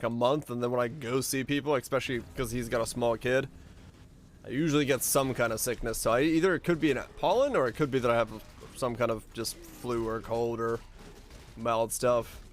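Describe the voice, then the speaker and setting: A hoarse man with a raspy, fading voice chatting casually while streaming a game, rambling and halting, swearing now and then. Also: medium pitch, slight background noise. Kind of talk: casual gaming stream commentary.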